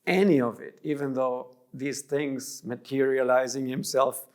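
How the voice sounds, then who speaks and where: A man's voice: mid-range voice, steady tone, measured pace, a little mellow. A middle-aged man from Germany, an interview guest speaking thoughtfully and restarting phrases mid-sentence. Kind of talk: reflective interview.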